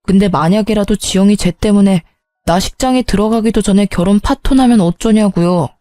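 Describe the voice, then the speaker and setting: A woman's voice: mid-range voice, fairly quick, warm tone, no echo, close to an everyday voice. A woman doing an exasperated grown son. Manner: exasperated, pleading. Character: grown eldest son, frustrated and pleading. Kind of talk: storybook narration.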